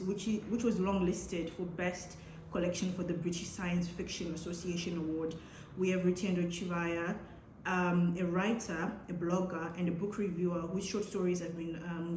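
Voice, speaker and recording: A woman's voice: on the low side, darkish tone. A young woman speaking as an author on a festival panel, earnest, with frequent ums and restarts. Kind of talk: panel talk at a book festival. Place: event hall. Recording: echoey hall, background noise.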